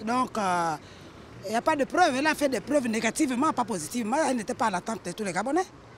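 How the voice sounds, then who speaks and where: Very wide pitch swings at a very fast pace. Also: woman, high pitch for a woman. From Gabon. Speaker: street interviewee. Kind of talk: vox pop interview.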